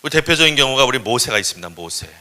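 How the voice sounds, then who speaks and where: Brief: male preacher, animated storyteller, bright and expressive. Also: mid-range voice, rapid-fire. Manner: animated, acts out voices. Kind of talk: storytelling sermon. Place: church.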